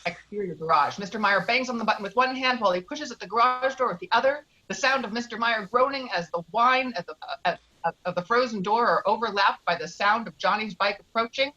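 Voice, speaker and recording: Bright-voiced woman narrating a screenplay. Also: a little high, a little fast, few pauses, muffled recording. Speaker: narrator reading stage directions. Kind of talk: scripted narration, screenplay table read.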